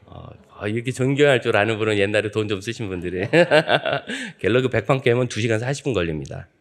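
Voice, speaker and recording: A man in his fifties, a guest pastor preaching at a dawn church service, telling joking stories from his childhood in a lively way. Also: fairly low pitch, a little fast. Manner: lively, joking anecdotal storytelling. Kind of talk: sermon with humorous storytelling.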